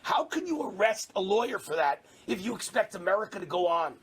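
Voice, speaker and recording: A man's voice: high voice, very animated, fairly quick, slight background noise. A middle-aged man from New York hosting a political talk show, ranting with fiery emphasis. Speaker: talk radio host.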